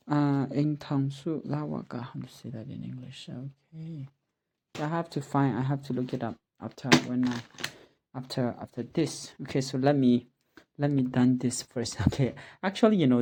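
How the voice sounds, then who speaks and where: Casual home vlogger, Burmese accent, unhurried and halting as they hunt for English words, slightly noisy room recording. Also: mid-range voice, dark tone. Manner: hesitant, searching for English words. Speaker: vlogger practicing spoken English. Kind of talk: casual narration while tidying up. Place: indoors at home.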